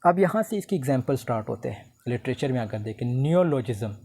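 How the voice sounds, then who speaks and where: A man giving a recorded lecture, reading English definitions slowly and explaining them in a relaxed conversational way. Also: mid-range voice, slightly rough. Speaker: teacher.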